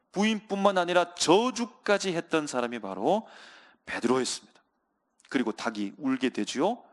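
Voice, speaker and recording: This pastor's voice is on the high side as he preaches earnestly. He often calls out to the congregation and slows his delivery to stress his points.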